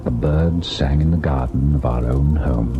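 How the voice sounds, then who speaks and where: Very deep-voiced devoted radio-drama husband. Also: male voice, dull audio. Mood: wistful, grave. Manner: measured, melancholy narration, tender and indulgent in dialogue. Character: devoted husband recalling a haunted, sorrowful tale. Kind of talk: old-time radio drama acting, narrated storytelling. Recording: old radio drama with music behind.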